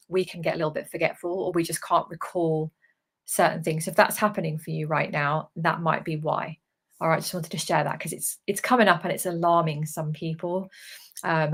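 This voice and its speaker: A woman speaking as a spiritual medium in a live channeling session, relaying guidance in a halting, emphatic way with repeated phrases. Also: lowish voice. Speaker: spiritual channeler relaying messages from guides to viewers.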